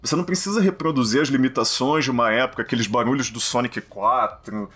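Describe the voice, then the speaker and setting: A man's voice: medium pitch, quick pace, fairly bright tone, slightly rough. A Brazilian man chatting casually and giving his opinions in a game review discussion, often checking in with little tag questions.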